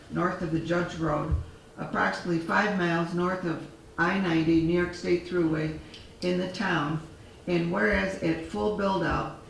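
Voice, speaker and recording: A man on a town board reading a formal resolution aloud in a measured way, losing his voice, recorded in a town hall. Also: high voice, gravelly, a bit bright. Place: town hall meeting room. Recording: echoey hall, far from mic, faint noise.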